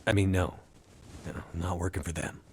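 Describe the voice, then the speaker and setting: An actor playing a weary, guarded middle-aged bush pilot in a video game, speaking tersely and with hesitation. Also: male voice, deep voice, fairly even intonation, normal speed, a little hiss or hum.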